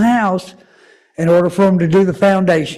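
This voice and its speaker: A fairly quick delivery in a Texan accent. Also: man. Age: 60s. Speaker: homeowner appealing to city board. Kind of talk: public hearing testimony.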